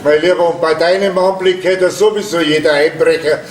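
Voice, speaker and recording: An actor as a high-voiced grumpy old Bavarian grandpa. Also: male voice, fairly even intonation, brisk, lightly acted. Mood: grumpy, teasing. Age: older. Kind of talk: Bavarian folk theatre comedy acting. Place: theatre stage before an audience. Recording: distant echoey stage with noisy background.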